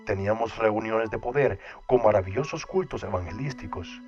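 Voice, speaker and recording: Male narrator, low voice, solemn devotional reading, dull lo-fi audio with soft music under it. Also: normal speed. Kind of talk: scripted first-person narration. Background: soft background music.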